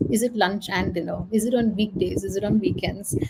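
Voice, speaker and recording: Noticeable background noise around a woman's medium-pitched voice. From India. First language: Indian language (not English). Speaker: product manager. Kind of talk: interview.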